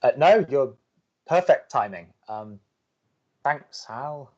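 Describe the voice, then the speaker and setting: A man's voice: medium pitch, lively intonation, slow, darkish tone, dull audio. A man playing a sardonic, awkwardly romantic young college radio co-host with a dry manner, in a scripted audio drama. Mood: flustered.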